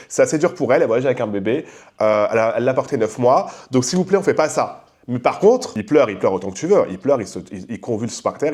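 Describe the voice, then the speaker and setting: Young male host, loud casual rant, slangy, lively, mid pitch. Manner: animated and slangy, acts out quoted people; talks loudly. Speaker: podcast host. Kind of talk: casual ranting monologue.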